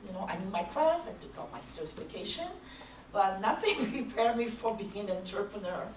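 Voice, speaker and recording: A woman's voice: mid-range voice, very animated, brisk, noisy background. A middle-aged woman from Canada gives a conference talk, telling stories in a chatty way. She is heard from some distance in an echoey hall. Audible room ambience sits behind her. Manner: chatty, anecdotal, laughs often. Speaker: conference speaker.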